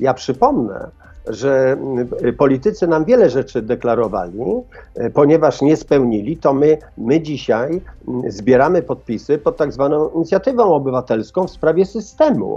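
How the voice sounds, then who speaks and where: A man speaks with a dark, mellow tone and a fairly high pitch, his intonation lively and his pace moderate. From Poland, Łódź. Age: 60s. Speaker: teachers' union official. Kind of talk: radio interview. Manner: halting.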